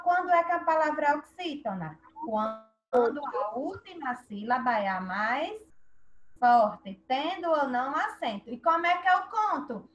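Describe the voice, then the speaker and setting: A Brazilian primary school teacher, a woman with a high, slightly bright voice, patiently quizzes young children during an online class. The recording sounds muffled.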